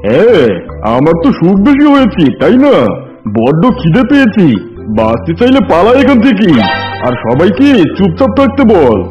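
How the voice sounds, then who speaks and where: A man's voice: high-pitched, very animated, normal speed, dull audio, soft background music. Blustering scheming tiger king, acted by a man. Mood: grumpy, sarcastic. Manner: blustering, bossy. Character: scheming, boastful, hungry tiger king of the jungle. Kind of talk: animated fable character acting.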